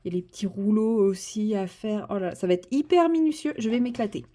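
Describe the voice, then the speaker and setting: A woman chatting casually to her viewers from home, her voice mellow and relaxed. She talks in loose, hesitant runs full of fillers and restarts, warming into enthusiasm as she unpacks a craft kit. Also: medium pitch, a little fast. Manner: chatty, hesitant with many fillers, self-correcting. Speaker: vlogger. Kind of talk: casual vlog chat.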